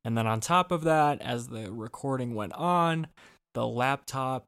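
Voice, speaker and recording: A man co-hosting a podcast in casual chat, relaxed and quick to laugh, recorded on a laptop microphone. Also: mid-range voice, clear, resonant tone. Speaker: podcast co-host and editor. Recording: echoey, distant laptop mic with fan noise.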